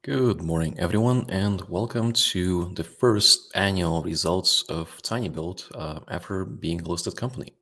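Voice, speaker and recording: A man in his thirties from Latvia with a Latvian-Russian accent, presenting company results to investors in a relaxed way with many fillers. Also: sits low, measured pace, hardly any pauses. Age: 30s.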